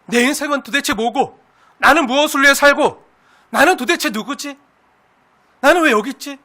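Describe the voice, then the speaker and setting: A man's voice: extremely high pitch, normal speed, pushed and bright. A man preaching a sermon as pastor, earnest and heartfelt, posing rhetorical questions to the congregation.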